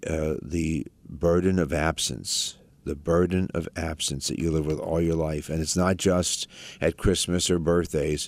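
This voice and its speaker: A man with a very deep, low pitch speaks in a flat monotone. His pace is moderate, and the recording is very clean with a silent background. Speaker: radio host and charity fundraiser partner. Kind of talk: casual radio chat.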